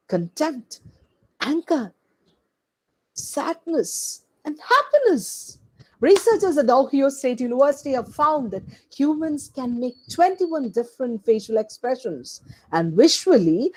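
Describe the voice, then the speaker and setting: A woman teacher trainer delivers a slide-based lecture, ticking off points one word at a time. Her voice sits high and husky. She speaks slowly, with lively rises and falls. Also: low-quality recording. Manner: slow, deliberate delivery with animated pitch.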